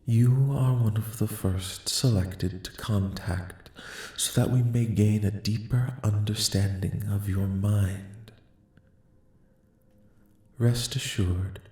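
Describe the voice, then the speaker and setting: A man voicing a calm, courteous alien collective in a soft-spoken ASMR roleplay, speaking in slow, formal, reassuring phrases. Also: fairly low pitch. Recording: echoing, reverberant voice.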